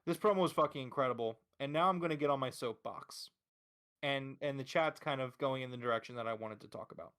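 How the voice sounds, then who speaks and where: A podcast host talks fast in a medium-pitched, somewhat bright voice. He discusses wrestling casually and emphatically, offering strong opinions and swearing often.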